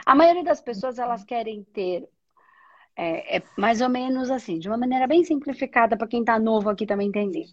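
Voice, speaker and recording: A woman with a high, breathy voice talks through spiritual ideas in a calm, reflective way, often posing questions and answering them herself. The recording sounds somewhat dull and lo-fi. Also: a little fast. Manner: reflective, asks and answers her own questions. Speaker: spiritual teacher. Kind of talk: spiritual conversation.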